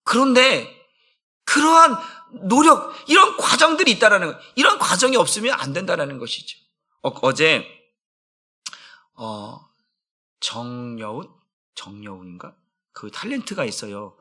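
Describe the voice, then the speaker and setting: A man's voice: on the high side, very animated, measured pace, pauses often, bright, forceful tone. A middle-aged man, a senior pastor, giving an emphatic dawn prayer sermon and acting out friends' taunts in casual speech.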